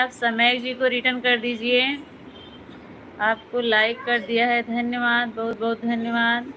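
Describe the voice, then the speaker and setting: A woman's voice: on the high side, sharp tone. A woman hosting a casual livestream from Jammu, greeting viewers one by one in a friendly, chatty way. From Jammu region, India. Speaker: livestream host. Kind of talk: casual livestream chat reading viewer comments. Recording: noisy home livestream audio.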